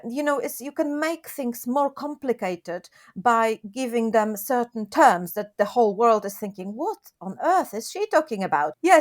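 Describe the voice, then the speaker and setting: Polish woman gardening guest, kinda high voice, keeps saying you know. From Poland. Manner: earnest, upbeat, lots of "you know" and "um". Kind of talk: podcast interview.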